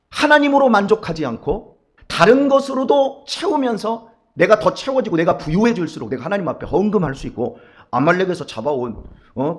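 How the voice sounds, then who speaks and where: A middle-aged man preaching a dawn sermon, telling stories and acting out the voices of the people in them. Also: a little high. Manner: storytelling, animated, acts out quoted voices. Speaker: pastor.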